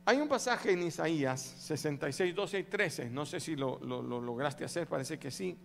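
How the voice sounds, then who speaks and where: A pastor preaching a sermon to his congregation, animated and calling out to the audience for responses. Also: a little high, moderate pace, gravelly, long reverb tail, a little hiss or hum. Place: church.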